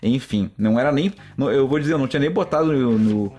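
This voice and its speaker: A Brazilian man hosts a solo podcast, rambling chattily through casual stories told straight to his listeners, whom he often calls "gente". His mid-range voice is a little mellow, and he talks fast.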